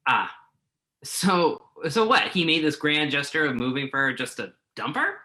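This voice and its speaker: Earnest, self-doubting male journalist for a play reading, acted by a man; crisp bright tone, very varied pitch. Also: very animated, normal speed, exaggerated voice. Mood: puzzled, sympathetic. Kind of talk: virtual staged play reading.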